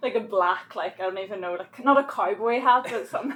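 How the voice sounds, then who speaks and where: A woman with a strong Irish accent, fairly high pitch, ordinary pitch variation and a fairly quick pace, over noticeable background noise. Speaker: podcast guest. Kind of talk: casual chat.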